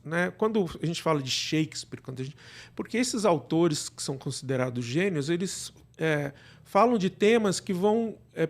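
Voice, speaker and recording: Man, Brazilian Portuguese accent, fairly high voice, interview guest, conversational explainer, frequent check-in tags. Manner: explanatory, often checks in with tag questions. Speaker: guest, radio drama producer.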